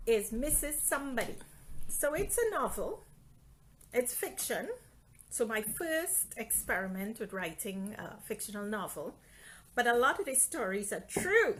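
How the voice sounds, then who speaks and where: A woman's voice: medium pitch, fairly bright tone, a little hiss or hum, rough recording. A middle-aged woman from Trinidad and Tobago, an author chatting on a live stream about her books and reading her novel's introduction aloud. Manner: friendly, chatty, reads aloud from her book.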